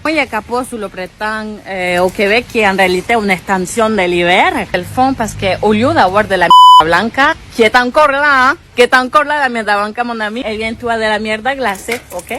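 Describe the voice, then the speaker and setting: A woman's voice: a little high, brisk, hardly any pauses, noisy background, pitched above the performer's own voice, lightly acted. A woman voicing an exasperated Latina woman ranting about the weather, with a heavy Spanish accent. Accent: heavy Spanish accent in French. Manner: theatrical, exasperated rant. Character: hot-blooded Latina woman ranting about Quebec spring.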